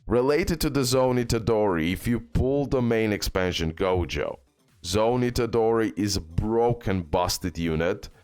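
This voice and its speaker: A man's voice: lowish voice, a little slow, darkish tone, smooth. A man giving casual gaming advice in an emphatic, repetitive way, often checking in with a short questioning tag. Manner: emphatic, repetitive, ends points with "okay?". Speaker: game video creator. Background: music.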